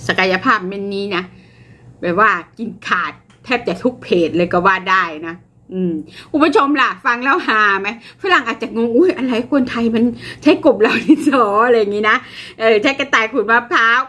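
An older woman hosts her channel in a fairly high, pushed, bright voice, casually reading online comments aloud and explaining them to viewers. She's chatty and addresses her audience directly, uses lots of fillers, and laughs at the jokes.

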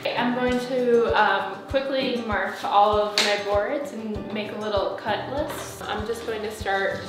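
A woman's voice: mid-range voice, steady tone, slow pace. A young woman chatting cheerfully about renovating her home office, recorded indoors in a room under renovation. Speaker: illustrator and graphic designer. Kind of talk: DIY renovation vlog. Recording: echoey room with music.

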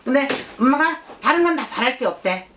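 A woman's voice: high-pitched, expressive, brisk, fairly bright tone, a little hiss or hum. A woman shaman voicing a blunt, childlike spirit in a consultation, repeating herself insistently and prodding with scolding questions. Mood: earnest, nagging. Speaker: shaman fortune-teller.

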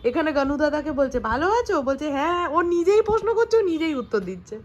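A woman's voice: high-pitched, big pitch swings, fairly quick, muffled recording. A young woman, a mother, chatting in a family vlog and talking in affectionate baby talk to her small daughter. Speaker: vlogger mother. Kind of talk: casual family vlog chat.

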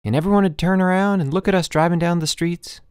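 Man playing an earnest young farm boy, raised pitch. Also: fairly even intonation, fast, darkish tone, smooth, no echo, clean studio sound, natural voice. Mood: pleading, earnest. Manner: pleading, eager. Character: earnest, anxious seven-year-old farm boy.

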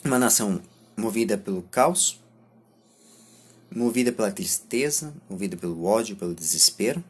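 Husky young Brazilian man, halting delivery. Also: on the low side. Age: 20s. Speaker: vlogger. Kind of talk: reflective monologue to camera. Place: small indoor room lined with bookshelves. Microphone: phone or camera at arm's length.

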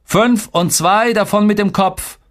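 A cocky little boy gloats in a shrill, high voice, as a man reading a storybook puts him on. He brags and taunts his older brother with childish glee. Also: measured pace, fairly bright tone. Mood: bragging. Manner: bragging, mocking. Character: Tolga, boastful little boy under seven.

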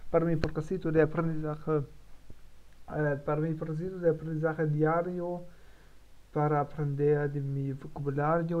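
A non-native man speaks in a slow, halting way, with a gravelly edge to his fairly high voice. He stops, repeats and corrects himself all the time. The stream audio sounds a bit muffled. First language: not Spanish. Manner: hesitant, many fillers and restarts, self-correcting. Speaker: language learner streaming his practice. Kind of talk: halting live-stream practice talk.

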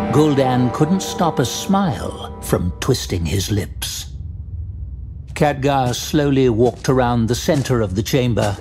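A man narrates a fantasy tale in a dramatic, scripted style. His voice is of medium pitch, with music playing clearly behind it.

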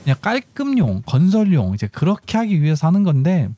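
A man's voice: a little high, very animated, brisk, mellow. A man giving casual game tutorial commentary, explaining step by step and thinking aloud as he goes. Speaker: gaming channel host.

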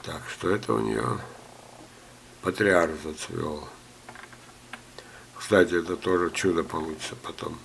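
Coughing older man with a low voice. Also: fairly even intonation, a little slow, vocal fry, pauses often, a bit bright, slight background noise. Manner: coughs often, chatty asides and jokes. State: ill, coughing. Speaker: gardening teacher. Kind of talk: screen-share talk reading viewer letters.

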